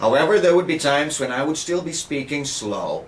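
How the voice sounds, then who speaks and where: Noticeable background noise and audible room echo surround this recording. A man talks with lively intonation at a fairly high pitch. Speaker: English teacher. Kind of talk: tutorial. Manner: slow, deliberate.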